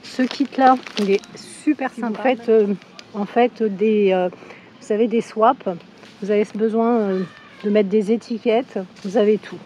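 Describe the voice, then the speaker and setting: A woman with a hoarse voice from a cold, chatting casually as she shows products in a supermarket on a handheld phone. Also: medium pitch, fairly even intonation, a little slow, dark tone, slight background noise, poor audio. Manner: chatty, with frequent fillers. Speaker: shopping vlogger. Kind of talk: casual store walkthrough. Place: inside a supermarket.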